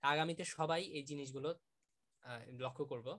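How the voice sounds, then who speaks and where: Guy teaching an online class, gentle and encouraging, says sounds over and over. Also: a little high, a little fast.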